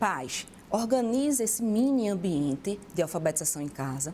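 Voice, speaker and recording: A woman's medium-pitched voice swings very widely in pitch. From Brazil, Pernambuco (Jaboatão dos Guararapes). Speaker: educational psychologist. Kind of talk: TV interview. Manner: hesitant fillers.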